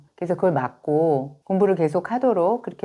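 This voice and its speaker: A woman speaks with a dark, mellow tone at a fairly low pitch, her intonation lively over a quiet background. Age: 50s. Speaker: retired office worker, personal finance YouTuber. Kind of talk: casual talk to camera.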